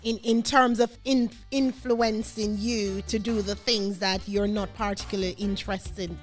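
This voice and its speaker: A woman's voice: medium pitch, steady tone, a little slow. A woman hosting a conversational Christian radio interview, speaking emphatically and repeating phrases to press her point. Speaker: radio host. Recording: background music under the talk. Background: music.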